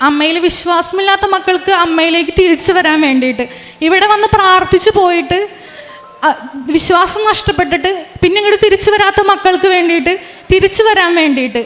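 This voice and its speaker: High-voiced young woman in a reverberant hall. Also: a bit bright. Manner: earnest, emotional storytelling. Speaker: testimony giver. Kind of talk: personal religious testimony. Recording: long reverb of a large hall.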